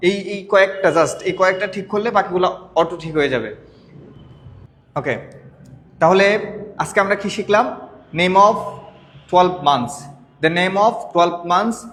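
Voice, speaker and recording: Bengali-accented guy teaching english, high voice, repeats words slow, echoey long reverb. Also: fairly bright tone. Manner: repeats words slowly, quizzes the listener. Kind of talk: spoken language lesson.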